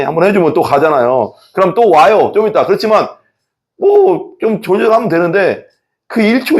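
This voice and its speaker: Animated male pastor, lively pitch. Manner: lively, acts out quoted inner thoughts with laughs. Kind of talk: sermon.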